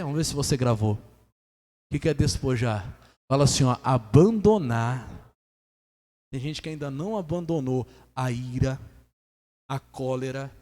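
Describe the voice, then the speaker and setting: A man with a Brazilian Portuguese accent preaching a sermon as pastor, lively, calling on the congregation to say amen. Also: on the high side. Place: church hall. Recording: long church reverb.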